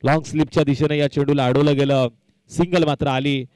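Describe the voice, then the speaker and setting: A man's voice: on the high side, flat delivery, brisk, a little mellow, clear, resonant tone, dry recording, rough recording. A man giving live commentary and announcements at a local cricket tournament, emphatic and fond of repeating phrases for effect.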